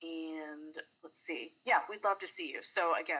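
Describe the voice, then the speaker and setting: Her bright, sharp tone and fairly low pitch come through as the woman speaks at a moderate pace. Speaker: community organizer, livestream co-host. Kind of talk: casual livestream chat. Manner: flat.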